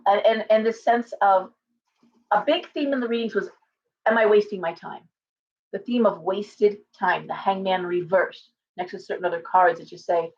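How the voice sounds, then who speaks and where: A middle-aged woman, a tarot reader, chatting casually on a livestream from her living room, hoarse from coughing and rambling with many restarts. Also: mid-range voice. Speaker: tarot reader and shop owner. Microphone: webcam at desk distance. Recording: slightly dull lo-fi webcam audio.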